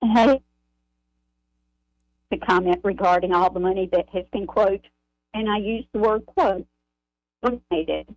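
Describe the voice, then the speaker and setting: A woman calling in to a radio show over a bad, breaking-up phone connection, speaking haltingly and starting her comment over. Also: medium pitch. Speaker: caller. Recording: muffled lo-fi phone line.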